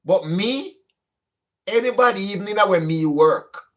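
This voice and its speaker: A young man speaks with a strong Jamaican accent in a relaxed vlog monologue. He drifts between standard English and patois as he talks. His voice sits a little higher than most men's. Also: moderate pace. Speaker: channel host.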